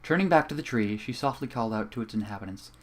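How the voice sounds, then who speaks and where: Young man reading a story calmly. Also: on the low side, quick pace. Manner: casual and profane in the intro, then calm and even while reading. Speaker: fanfiction reader. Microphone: home computer microphone.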